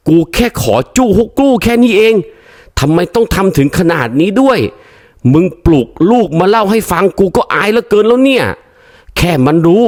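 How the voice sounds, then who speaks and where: A man's voice: high-pitched, darkish tone. Man doing a sulky old village husband, grumbly and coarse. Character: lusty stubborn older village husband.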